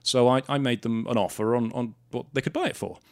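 A man's voice: medium pitch, a little fast, dry recording, studio quality. A man from South Wales hosting a podcast, telling a story in an indignant, sarcastic way. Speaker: podcast host. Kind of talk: casual storytelling monologue.

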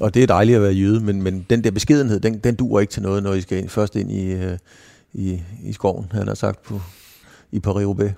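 A man's voice: fairly low pitch, little pitch movement, vocal fry, warm tone, no room sound, studio quality. A man interviewing a cyclist, asking probing follow-up questions in a casual tone. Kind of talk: sports interview.

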